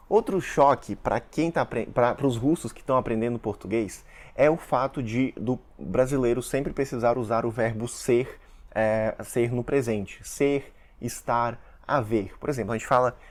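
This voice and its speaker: A man's voice: medium pitch, darkish tone. A man from Russia, a Russian teacher and content creator with Russian as his first language, talking casually to camera and explaining with examples and asides to viewers.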